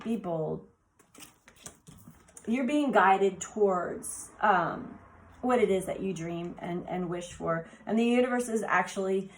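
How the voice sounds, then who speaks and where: A woman whose voice is raspy from laryngitis, doing an oracle card reading for viewers and exclaiming eagerly over the cards in a soft, meandering way. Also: mid-range voice. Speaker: card reader.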